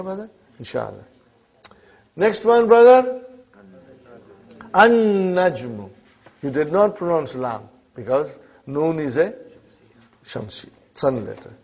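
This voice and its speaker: Man, language teacher, fairly high voice, keeps checking in with the class, muffled classroom recording. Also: darkish tone. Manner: checks in often with "huh?" and "brothers and sisters". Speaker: Arabic teacher. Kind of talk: classroom grammar lesson.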